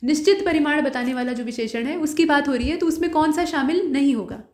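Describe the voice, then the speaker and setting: A woman teacher going through mock exam questions one by one, explaining each answer to the viewer in a steady, direct way. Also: high-pitched, fairly quick, roomy sound.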